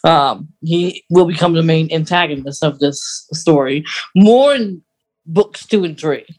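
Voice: mid-range voice, unhurried, darkish tone, rough recording. A podcast co-host chatting casually about a radio drama, explaining things in a rambling, hesitant way.

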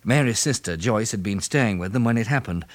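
A man with a British accent and husky voice, acting an affectionate, resolute survivor in a 1960s radio drama. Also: fairly low pitch, lively intonation, a little fast, close to an everyday voice. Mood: grave narration.

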